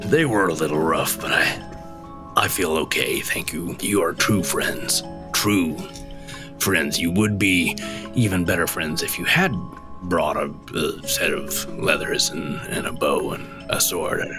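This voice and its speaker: Casting: man as low-voiced, gentle retired adventurer, halting and sincere, fantasy game, music underneath. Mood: weary, grateful. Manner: halting, earnest. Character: gentle, earnest former adventurer, male, rescued friend.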